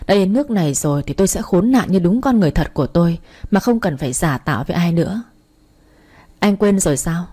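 A woman's voice: lowish voice, expressive, quick pace, mellow, slightly rough. A woman reading a dramatic first-person story as narrator.

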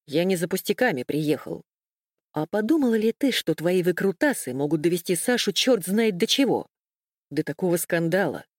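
A woman's voice: on the low side, no room sound, studio quality. A woman voicing a stern, scornful young man who berates and threatens in a commanding tone. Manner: harsh, commanding, contemptuous.

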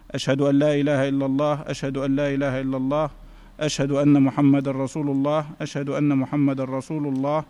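A man reading a classical text aloud to a class in a steady recitation, recorded in an echoey hall. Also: mid-range voice. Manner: steady recitation in a level chant.

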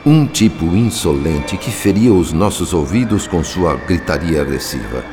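An actor playing a grave, observant male narrator of spirit-world events in a radio drama, with literary, deliberate delivery. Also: deep voice, lively intonation, music in the background. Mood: grave storytelling.

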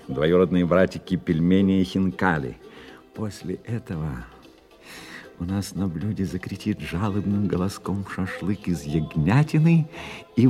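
A man's voice: deep voice, a little mellow. An actor playing an unctuous, jovial businessman and gourmand in a Russian audio drama, pompous and florid as he savours his words.

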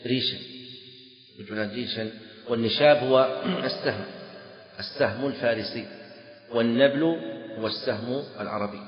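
A man's voice: medium pitch, normal speed, long pauses, soft background music. A man teaching a lesson on a legal text, explaining by repeating key phrases and checking whether the students understand. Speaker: sheikh teaching fiqh. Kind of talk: classroom lecture on a legal text. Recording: echoey lecture hall, dull lo-fi sound.

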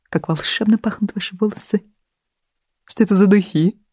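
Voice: mid-range voice, normal speed, a little mellow, breathy edge, no room sound, clean studio sound, voice pushed up, close to an everyday voice. A reader doing a suave, flirtatious man. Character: smooth, flirtatious middle-aged man.

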